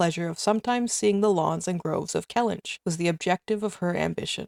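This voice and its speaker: A soft-spoken woman talks in a calm tone at a fairly low pitch. Her pitch varies in an ordinary way. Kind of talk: audiobook reading. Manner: soft-spoken, calm.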